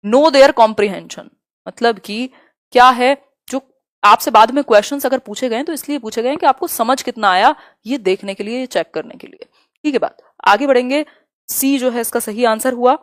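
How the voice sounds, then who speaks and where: A woman teaching an exam-prep lesson live, reading questions aloud slowly and chatting with viewers as she explains. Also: fairly high pitch, fairly bright tone, dry recording, studio quality. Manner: chatty, answers viewers' comments.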